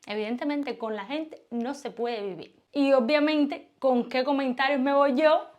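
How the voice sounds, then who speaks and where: Cuban woman vlogger, high-pitched, teasing and quick. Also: lo-fi sound. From Cuba. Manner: playful, fast, teasing, lively. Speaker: YouTuber. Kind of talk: casual vlog to camera. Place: at home.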